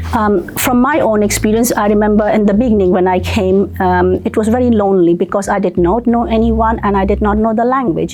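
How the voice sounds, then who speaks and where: With music in the background, a woman talks at a fairly quick pace with hardly any pauses, very even loudness and fairly even intonation. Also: medium pitch for a woman. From India. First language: Chinese dialect. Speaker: university English lecturer. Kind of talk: interview. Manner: hesitant, many fillers.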